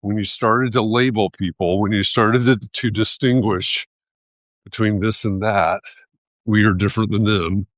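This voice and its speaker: A man's voice: fairly low pitch, steady tone, a little slow, fairly bright tone, no room sound. An American man hosting a live video, talking in a reflective, casual way and searching for his words as he goes. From United States.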